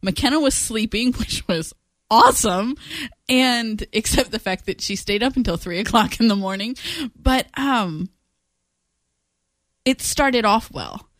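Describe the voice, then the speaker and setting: A woman's voice: on the high side, a little slow, no room sound. A woman in her thirties co-hosting a casual family podcast in a studio, teasing and laughing often. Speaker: podcast co-host. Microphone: studio microphone.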